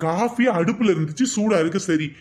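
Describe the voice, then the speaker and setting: A man's voice: high-pitched, a little fast, a little mellow, lightly acted. A man voicing a stingy middle-aged husband in a cartoon comedy, teasing and bickering with his wife.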